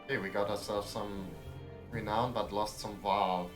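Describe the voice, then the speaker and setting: With music in the background, a man streams a story game, offering casual let's-play commentary in a steady tone at normal speed. He's wry and self-mocking, and when reading the game's dialogue aloud he raises his pitch.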